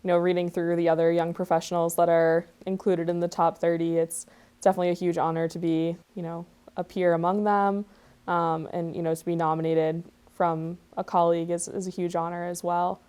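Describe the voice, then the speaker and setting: A woman's voice: fairly low pitch, flat delivery, fairly quick, darkish tone, smooth. A woman in her twenties, a recreation specialist, answering interview questions earnestly with many "you know" fillers. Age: 20s.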